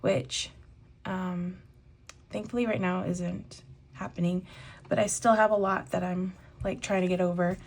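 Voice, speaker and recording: A young woman budgeting out loud in a relaxed vlog voice-over, chatty and full of fillers, a little congested from a lingering cough. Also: fairly low pitch, a little slow, a little hiss or hum. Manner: chatty, thinks aloud with many fillers. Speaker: budgeting vlogger. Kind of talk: casual voice-over while cash stuffing.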